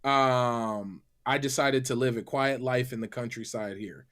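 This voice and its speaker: A man on a gaming livestream panel giving recommendations in casual, slangy talk, halting and doubling back on himself. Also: medium pitch, fairly bright tone.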